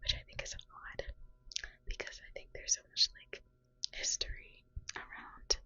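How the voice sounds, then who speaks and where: A woman whispers, her loudness swinging widely. Long pauses come often. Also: moderate pace. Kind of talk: ASMR whisper ramble to camera. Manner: whispered.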